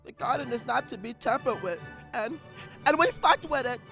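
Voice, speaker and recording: A man's voice: extremely high pitch, expressive, normal speed, pushed and bright, faint music behind, exaggerated voice. A man voicing a nervous, fidgety bald English crook with a stammering fake British accent. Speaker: voice actor.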